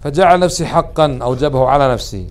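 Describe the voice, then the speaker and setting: Speaking fast and with animation in a mid-range voice, a sheikh delivers a religious lesson. He often asks the audience questions before supplying the answers, and his formal speech is sprinkled with colloquial words.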